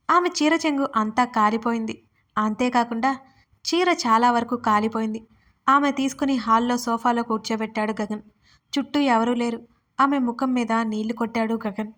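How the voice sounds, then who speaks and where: A woman storyteller reading a romance story aloud in steady, even scripted narration. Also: a little high.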